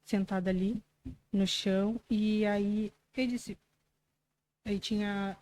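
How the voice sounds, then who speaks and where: A Brazilian woman tells her faith testimony as a podcast guest, her voice warm and mellow with a middle pitch. She speaks earnestly and conversationally, often tagging her phrases and acting out the dialogue she recounts. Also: fairly even intonation, takes it slowly, rough recording. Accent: Brazilian Portuguese. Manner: earnest storytelling, frequent "né" tags, acts out quoted dialogue. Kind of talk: religious testimony in casual conversation.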